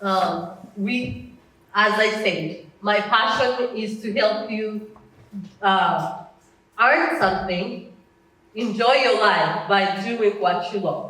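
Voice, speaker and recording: Against noticeable background noise and audible room echo, a woman speaks very slowly in a fairly high pitch, with fairly even intonation and long, frequent pauses. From Rwanda. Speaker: entrepreneurship educator. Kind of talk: conference talk with slides. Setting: stage with audience. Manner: halting, with fillers and restarts.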